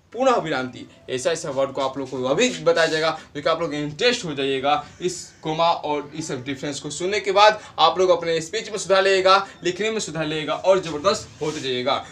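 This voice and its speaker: A man teaching a grammar lesson to students, explaining slowly and repeating example phrases. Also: on the high side, pushed and bright. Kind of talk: classroom-style grammar lesson. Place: home in a village, wedding noise nearby.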